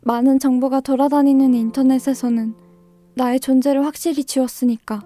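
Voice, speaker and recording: A woman's voice: sits high, fairly even intonation, a little fast, warm tone, soft background music, natural voice. A woman playing a guarded, earnest young female student in a radio drama, speaking and narrating a little hesitantly. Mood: wistful, resolved. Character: guarded, soft-natured young female student with a hidden past. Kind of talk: radio drama dialogue and first-person narration.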